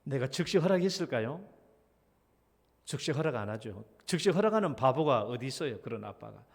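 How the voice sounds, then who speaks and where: A man's voice: medium pitch, big pitch swings, a little fast, creaky, breathy edge, long reverb tail. A middle-aged man, a senior pastor, preaching a sermon in a storytelling way, acting out a child's pleading and his own pretended reluctance. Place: church sanctuary.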